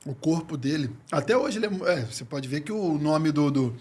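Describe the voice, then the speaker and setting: A man's voice: a little high, expressive, moderate pace, darkish tone, slightly rough. A Brazilian man on a casual comedy podcast, speaking reflectively and offering encouraging advice. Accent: Brazilian Portuguese. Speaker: podcast co-host.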